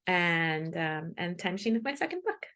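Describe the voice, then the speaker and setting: A woman's voice: lowish voice, sing-song, normal speed, a bit bright. A woman speaking as a guest author in a casual video call interview, with an enthusiastic, emphatic way of talking. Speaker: children's book author and guest.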